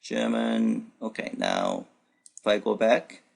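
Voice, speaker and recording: Recording a voice-over for his screen capture at the computer, a Korean-speaking programming instructor talks through a demo off the cuff, full of fillers and false starts. He sounds gravelly and lowish, speaking slowly with huge swings in pitch.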